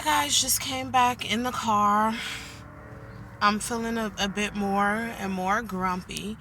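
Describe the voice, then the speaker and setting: Brief: forties woman vlogging from her car, ringing bright tone, chatty and fed-up. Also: mid-range voice, slight background noise. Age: 40s. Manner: chatty venting, keeps addressing viewers as "guys". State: annoyed. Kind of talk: casual vlog chat. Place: inside a parked car.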